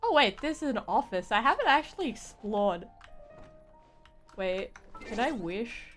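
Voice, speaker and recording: A young woman giving casual live game commentary, rambling and halting, with slangy phrasing. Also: on the high side, big pitch swings, fairly bright tone, soft background music. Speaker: game streamer.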